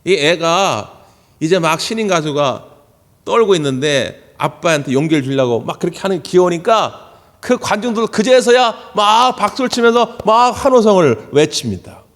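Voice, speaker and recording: Animated high-voiced male pastor preaching. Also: normal speed. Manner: animated storytelling, acts out quoted voices. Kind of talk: Sunday sermon. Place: church sanctuary. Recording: long church hall reverb.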